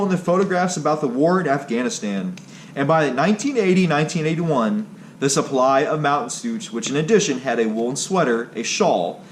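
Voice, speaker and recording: A man reading a scripted history narration aloud, somewhat haltingly. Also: a little high. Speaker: video creator and narrator. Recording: clearly noisy background ambience.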